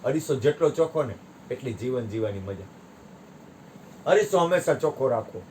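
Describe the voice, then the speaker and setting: A man giving a satsang discourse, telling parables with sharp rises and drops in his voice. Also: medium pitch, a little fast, slight background noise. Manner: animated storytelling, voice rising and dropping sharply. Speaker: spiritual teacher.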